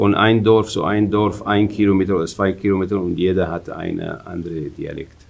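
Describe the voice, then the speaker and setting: This man's voice sits fairly low. He talks at a moderate pace. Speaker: social care worker in a nursing home. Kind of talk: interview. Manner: halting.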